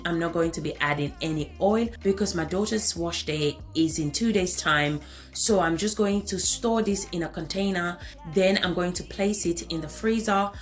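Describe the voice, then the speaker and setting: African-accented woman doing a hair tutorial voiceover, lowish voice, gets excited and says things twice, faint music behind. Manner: enthusiastic, repeats phrases for emphasis. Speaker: hair care vlogger. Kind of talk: tutorial voice-over.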